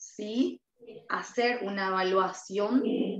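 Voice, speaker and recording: Against a quiet background with audible room echo, a woman speaks with fairly even intonation. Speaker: guest. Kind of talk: interview answer. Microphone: video call.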